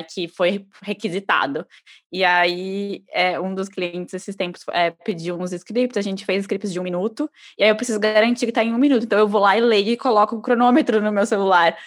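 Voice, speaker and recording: A woman from Brazil co-hosting a podcast, her voice sitting in a middle pitch. She talks in a relaxed, casual way. She teases her guest and laughs easily. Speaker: podcast co-host. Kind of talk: casual chat.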